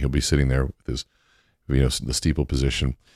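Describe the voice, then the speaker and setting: A man's very fast speech with vocal fry, in a dry, close sound with no echo. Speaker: podcast host and influence coach. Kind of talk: solo podcast teaching monologue. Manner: expressive vocal inflection.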